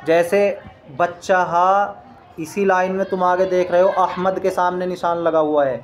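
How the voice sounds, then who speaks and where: A male teacher with a notably high voice works slowly through a lesson, reading one short phrase at a time and glossing every word. His delivery is patient and repetitive, and faint background noise sits under his speech. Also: level tone. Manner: reads each phrase, then glosses it word by word. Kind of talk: lesson reading and translating a Persian text.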